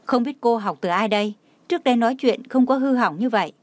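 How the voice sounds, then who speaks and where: A woman's voice: on the high side, fast, no echo, close to an everyday voice. Woman doing a bossy scolding friend.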